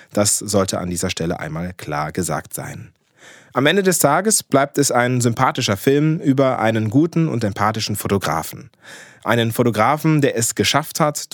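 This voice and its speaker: A man co-hosting a photography news podcast, reading a scripted film review with measured, dry irony. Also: mid-range voice, dry recording.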